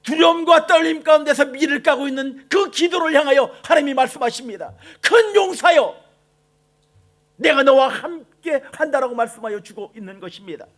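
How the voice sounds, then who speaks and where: A male pastor giving a dawn-prayer sermon, moving between quiet passages and shouted, drawn-out lines. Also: extremely high pitch. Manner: swings between soft and shouted lines, quoting God with slow emphasis. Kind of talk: impassioned sermon.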